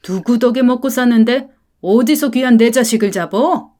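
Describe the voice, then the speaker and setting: Woman doing a stuck-up rich mom, sneery and haughty, highish voice. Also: moderate pace, a little mellow, lightly acted. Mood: scornful. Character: rich snobbish mother, arrogant and contemptuous.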